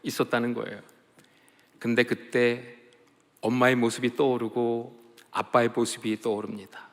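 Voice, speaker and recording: A man, a pastor, preaching a sermon as emotional storytelling that swings between loud and hushed. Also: medium pitch, level tone, normal speed. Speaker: pastor and missionary. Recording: long hall reverb.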